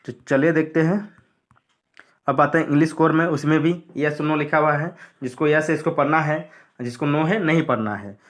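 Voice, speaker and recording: A man's voice: on the high side, normal speed. A man going through a school syllabus on screen, repeating what to study and what to skip in a plain explanatory way. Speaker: teacher.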